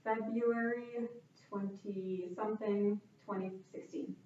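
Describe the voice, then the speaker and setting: A woman club member answering interview questions in short, halting phrases. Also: medium pitch, fairly even intonation, mellow, slight background noise. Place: club meeting room. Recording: roomy, distant, dull sound.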